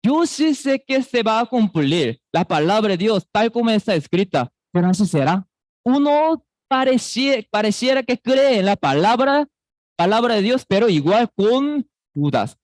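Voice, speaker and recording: Costa Rican pastor, male, high lively delivery, slow and deliberate, dry close sound, keeps quizzing the flock. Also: no room sound. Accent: Costa Rican Spanish. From Costa Rica. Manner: preaching with rhetorical questions to the congregation; acts out quoted voices, sweet and scolding. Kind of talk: sermon.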